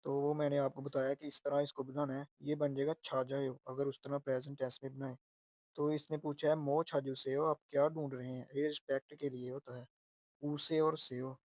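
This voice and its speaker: A man's voice: medium pitch, level tone, normal speed, dry recording. A man teaching Korean, patiently explaining phrases word by word. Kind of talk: explaining Korean exam lessons.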